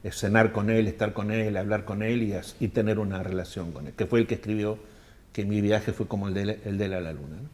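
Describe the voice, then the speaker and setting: An older man from Argentina, telling long animated anecdotes in an interview and acting out the people he quotes. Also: fairly low pitch, a little fast. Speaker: world traveler telling his story. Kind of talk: storytelling interview answers.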